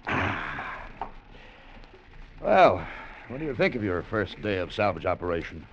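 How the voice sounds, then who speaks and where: An actor playing a calm, steady salvage diver in a 1950s radio drama, talking in a measured, cautious way. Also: male voice, low voice, slightly rough, muffled recording, heavily acted. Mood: relaxed. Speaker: deep-sea diver.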